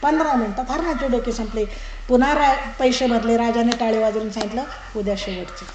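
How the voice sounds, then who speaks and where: A woman giving a religious discourse to a live audience, telling a parable in a lively way and acting out its characters. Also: a little high, fairly quick. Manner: lively storytelling that acts out characters and street calls. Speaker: pravachan speaker. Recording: echoey hall with audience noise.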